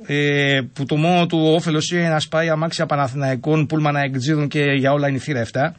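A man speaking as a radio sports pundit, measured and wry, analyzing football fans. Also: fairly high pitch, level tone.

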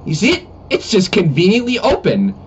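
Excitable, defiant animated schoolboy, played by a man, whiny and swooping, dull cheap-mic sound with faint noise. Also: high voice, normal speed. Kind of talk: amateur comedy animation voice-over. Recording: muffled, noisy cheap webcam mic.

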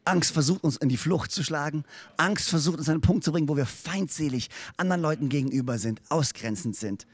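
A middle-aged man, preaching a sermon in an animated storytelling manner and often checking in with his listeners. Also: on the high side, brisk, dry recording. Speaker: pastor.

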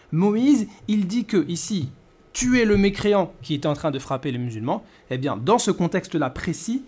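A man's voice: fairly high pitch, darkish tone. A man in his thirties giving a conversational rebuttal as a video host, with mocking, rhetorical questioning. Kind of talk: conversational rebuttal commentary to camera.

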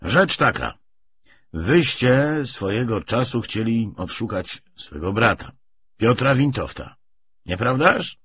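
A man's voice: medium pitch, very animated, slow pace, fairly bright tone, husky, exaggerated voice. A man voicing an indifferent male secret-police deputy in an audiobook, clipped and official in manner. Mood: coolly businesslike. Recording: dull lo-fi recording.

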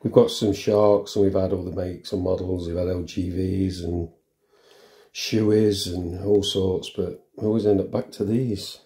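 A middle-aged man giving a casual hands-on tutorial, halting and thinking aloud as he works in a room at home. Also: low-pitched, steady tone, warm tone. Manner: halting, unscripted, thinking aloud while working. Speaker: vlogger demonstrating a helmet intercom fitting.

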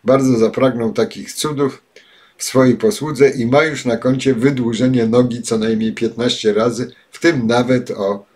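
An older man giving spoken commentary and reading passages aloud, pausing often with filler sounds, recorded at a desk webcam in a home study. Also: mid-range voice, fairly even intonation, darkish tone. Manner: halting, many filler sounds. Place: home study with bookshelves, indoors.

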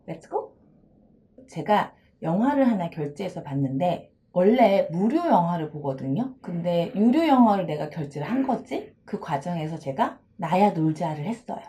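A woman counseling psychologist giving a playful, expressive video lecture, acting out little dialogues as she explains. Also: on the low side. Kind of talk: video lecture on self-esteem.

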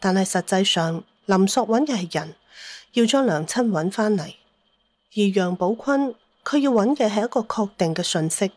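A woman narrates a scripted adventure story as an audiobook. Her pitch is average for a woman. The recording is dry and close, with no room sound. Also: animated, normal speed, no echo.

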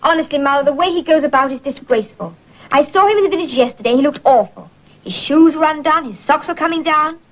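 An actress playing a prim young elder sister who speaks with disdain, in 1940s British film style. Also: female voice, sits high, fast talker, close to an everyday voice. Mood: disdainful. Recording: muffled 1940s film soundtrack.

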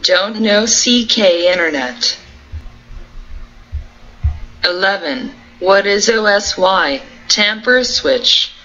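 A woman reading out a numbered list of technical interview questions and answers in a flat, even way. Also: mid-range voice, slow, pauses often, muffled recording.

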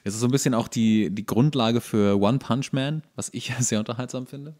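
A man's voice: medium pitch, normal speed, a little mellow. A man co-hosting a casual podcast chat, explaining trivia at length and in detail. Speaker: podcast co-host.

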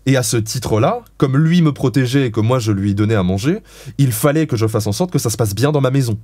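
A man's voice: mid-range voice, animated, quick pace, dark tone, no room sound. A man giving dog-training advice as an interview guest, explaining in a frank, blunt way with casual swearing.

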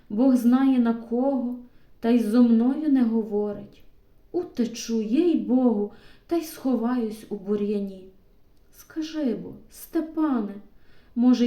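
A woman's voice: fairly high pitch, mellow, roomy sound. A woman voicing a loving young village girl who pleads emotionally in an audiobook reading. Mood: worried.

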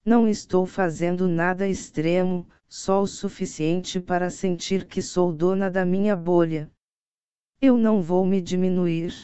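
A narrator reading a nonfiction book aloud in a steady, even way. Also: medium pitch, clean tone, no echo. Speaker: audiobook reader.

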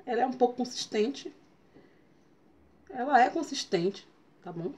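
Brazilian woman, young adult, very high voice, tongue-tied delivery that trips on words, playful casual vlog reviewer. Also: animated, a little slow. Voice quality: tongue-tied speech impediment, stumbles on hard words. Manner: playful, stumbling over words. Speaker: hair product reviewer. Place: small bedroom, indoors.

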